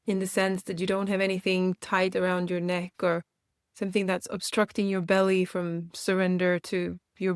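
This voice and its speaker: A woman guiding a meditation for beginners in a gentle, reassuring manner, leaving unhurried pauses between phrases. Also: mid-range voice, no room sound, studio quality. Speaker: meditation guide and host. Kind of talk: guided meditation, gently instructional.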